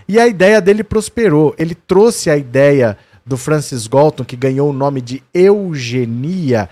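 A man's voice: a little high, expressive, measured pace, darkish tone, no room sound. Brazilian man explaining history. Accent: Brazilian Portuguese. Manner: conversational, shows documents to viewers; quotes historical figures in a raised voice. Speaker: history presenter.

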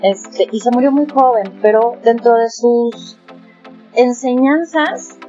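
A woman's voice: fairly high pitch, takes it slowly, dark tone. A Mexican woman, the guest, telling anecdotes in a chatty way, full of fillers. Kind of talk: casual storytelling chat. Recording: dull lo-fi audio with faint music.

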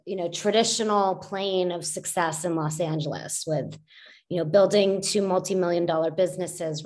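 Reflective woman, slightly low voice. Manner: reflective, many fillers and restarts. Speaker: podcast guest. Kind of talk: casual storytelling in a podcast interview.

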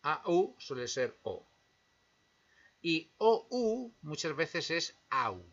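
A man's voice: on the high side, sing-song, gravelly, fairly bright tone. A man teaching English pronunciation, patiently repeating example words and checking in with the listener. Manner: patient, repeats words slowly with tag questions. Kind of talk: explanatory lesson. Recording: dull lo-fi sound.

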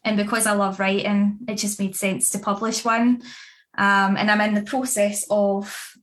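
A woman's voice: medium pitch, little pitch movement, moderate pace, fairly bright tone. A woman chatting casually in an interview, with many fillers and frequent laughs. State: pregnant. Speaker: dog grooming academy founder and author.

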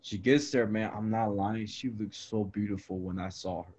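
A man hosting a casual chat, talking in a relaxed, slangy way and telling stories. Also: lowish voice, moderate pace, slightly rough. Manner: slangy and laid-back, full of "bro" and "you know what I'm saying". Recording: lo-fi, slightly dull sound.

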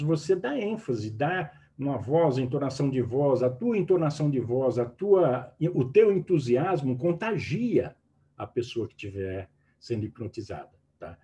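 A man's voice: mid-range voice, dark tone, a little hiss or hum. A man, teaching hypnosis techniques to a group in an emphatic way and often checking in with his listeners. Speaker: hypnosis instructor.

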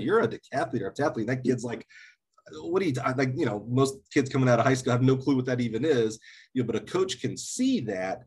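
A man's voice: mid-range voice, darkish tone, slightly rough. A man interviewing a coach, speaking in an easy conversational way.

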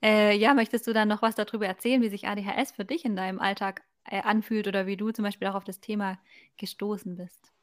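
A woman's voice: mid-range voice, fairly even intonation, fast. A woman hosts a casual podcast in an ordinary middle register. She keeps things light and friendly, laughs readily, and affirms her guest as she asks her questions. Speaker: podcast host.

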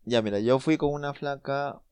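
A man's voice: medium pitch, moderate pace, a little mellow, clear, resonant tone, no echo. A young man with a Peruvian Spanish accent telling a rambling, slangy story among friends on a podcast. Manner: rambling, self-interrupting, slangy. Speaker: podcast co-host.

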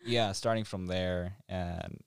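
A young man in his twenties from Korea, co-hosting a podcast and talking things through in a relaxed, reflective way with some hesitations. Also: sits low, slow pace, creaky, clear, resonant tone, dry recording, clean studio sound. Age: 20s. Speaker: podcast co-host. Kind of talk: casual conversational podcast.

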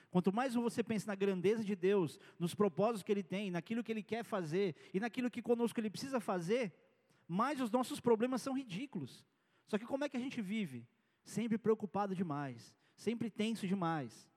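A pastor with a high voice delivers a sermon in a relaxed, conversational way and weaves in personal stories. His words ring out with a long reverb, as if in a large church hall. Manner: conversational preaching with personal anecdotes.

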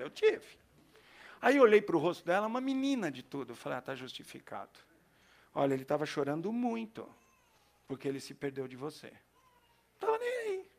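A middle-aged man with a Brazilian Portuguese accent and a slightly high voice preaches as a pastor, telling stories throughout his sermon. His delivery swings between loud and hushed.

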